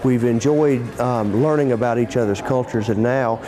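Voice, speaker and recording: A man's voice: medium pitch, normal speed, crowd noise. A man giving a thoughtful interview testimonial, restarting phrases as he goes. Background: music.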